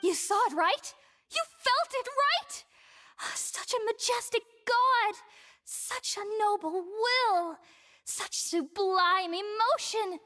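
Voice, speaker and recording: Unhinged female zealot from a game, super high voice, slow fervent delivery. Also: animated, sharp tone, faint music behind, heavily acted. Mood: rapturous. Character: deranged female religious zealot, rapturous and desperate. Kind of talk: dramatic video game acting.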